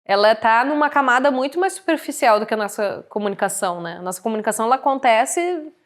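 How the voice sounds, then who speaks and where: An actress with a Brazilian Portuguese accent, a guest in a casual interview, telling stories in an animated way and laughing often. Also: female voice, a little high, fast talker.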